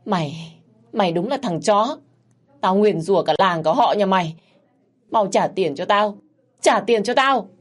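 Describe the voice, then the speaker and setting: A woman's voice: measured pace, long pauses, husky. Woman voicing a foul-mouthed old village schemer, shrieking curses; storybook character. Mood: furious. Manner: shrill, cursing, screeching.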